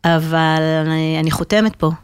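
A woman's voice: deep voice, fairly even intonation, smooth, dry recording. A woman speaking Hebrew with a slight French-sounding lilt, giving emphatic, businesslike answers as an interview guest. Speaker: marketing executive, interview guest.

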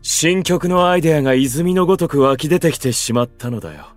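A man's voice: on the high side, brisk, no echo, soft background music, lightly acted. An actor playing a cryptic, theatrical male idol in a Japanese voice drama, speaking in a pompous, flowery, composed manner. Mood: amused, grand.

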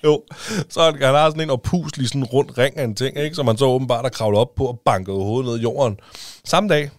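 A man's voice: medium pitch, no room sound, clean studio sound. A man with a Danish accent, a father talking as a podcast guest in casual chat, rambling with many restarts and fillers.

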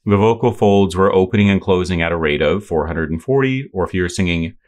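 A man's voice: low voice, a little fast, darkish tone. A middle-aged man explaining voice science in an interview, thoughtful, with many fillers and restarts. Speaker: voice science expert.

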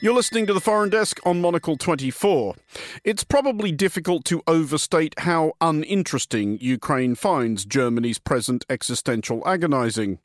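A man presents a news radio show from a studio, his voice a touch higher than most men's. He reads his links in a crisp, scripted manner, and the sound is close and dry. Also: no echo. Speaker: radio host. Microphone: studio mic.

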